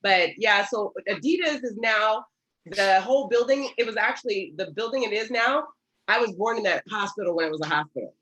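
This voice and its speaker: A woman in her thirties from Oregon hosting an online workshop over a video call from home, talking in an animated, encouraging way. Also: mid-range voice, brisk, lo-fi sound. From Oregon, USA. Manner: animated, encouraging, gestures a lot. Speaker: host and prophetess. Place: home room with patterned curtains. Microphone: laptop mic on video call.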